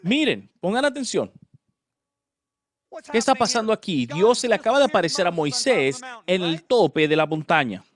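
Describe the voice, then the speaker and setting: High-voiced man preaching a sermon. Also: moderate pace. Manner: animated storytelling, acts out the characters.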